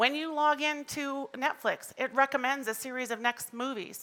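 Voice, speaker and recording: A woman's raised, projected voice, high in pitch with a bright, sharp tone, fairly even intonation and a moderate pace. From Canada. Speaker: customer experience executive. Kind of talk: conference talk.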